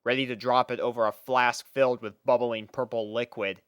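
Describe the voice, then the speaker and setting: A woman narrating a scripted story in an expressive manner. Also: rumbling low, moderate pace, smooth, no room sound, clean studio sound.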